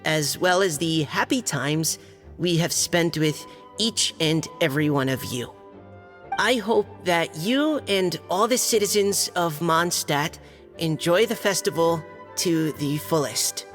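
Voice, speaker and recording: A man's voice: fairly high pitch, takes it slowly, a bit bright, long reverb tail. A man playing a young knight who reads a letter aloud formally, with slight hesitations, in a game. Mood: earnest. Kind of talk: game voice acting. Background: game music.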